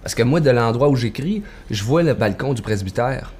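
A man's voice: medium pitch, lively intonation, normal speed, darkish tone, a little hiss or hum. A man with a Québécois French accent, speaking as a storyteller guest in a casual conversation. He talks in an easygoing, folksy way with loose fillers.

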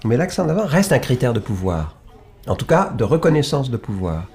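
A man's voice: medium pitch, sing-song, creaky. Thoughtful man with a neutral French accent. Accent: standard Île-de-France French. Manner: thoughtful and halting, with wide swings in loudness and emphasis. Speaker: author guest. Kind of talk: reflective conversation.

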